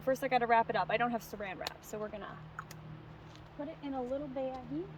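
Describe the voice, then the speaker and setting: A woman's fairly high, very fast voice with lively intonation and big swings in loudness. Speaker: car camping vlogger. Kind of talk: casual vlog narration. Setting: outdoors at a campsite. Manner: whispering.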